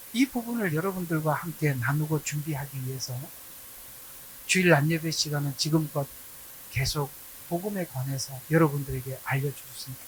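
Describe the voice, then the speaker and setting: A man talks at a moderate pace with a fairly high pitch and ordinary pitch variation. His pauses are long and frequent, and background noise is noticeable. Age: 60s. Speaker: pastor. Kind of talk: sermon.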